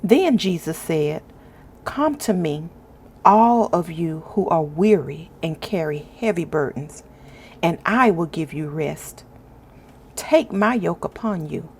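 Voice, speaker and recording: Unhurried woman with a creaky, low-pitched voice. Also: expressive, darkish tone. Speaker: faith journaling channel host. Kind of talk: vlog narration and scripture read-aloud.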